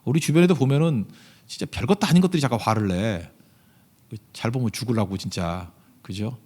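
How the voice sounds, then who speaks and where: Speaking a little fast in a mid-range voice, a male pastor delivers a conversational church sermon. He asks many rhetorical questions and shifts abruptly from loud emphasis to quiet asides.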